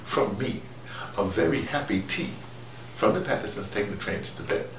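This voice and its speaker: A middle-aged or older man giving a rambling, opinionated monologue to camera, animated and digressive, often repeating himself as he searches for words. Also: on the low side, normal speed. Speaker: audio drama director. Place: small indoor room or office. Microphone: camera a few feet away. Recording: roomy, distant camera mic, noisy.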